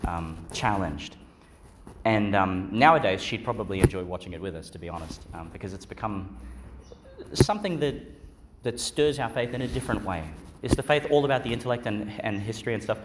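A man speaking as a Catholic priest in a solemn, measured and reflective way, as in a gospel reading or homily. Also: fairly low pitch, lively intonation, heavy background noise.

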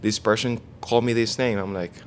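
A young man from Venezuela, a guest in a casual interview, who speaks haltingly, restarts often and searches for words. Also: lowish voice, steady tone, a little hiss or hum. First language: Spanish. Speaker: guest, online fitness coach.

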